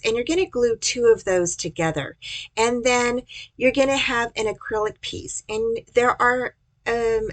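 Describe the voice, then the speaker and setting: A woman's voice: fairly high pitch, fairly bright tone, dry recording. Woman narrating a craft tutorial, dry sound. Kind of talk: casual step-by-step tutorial narration.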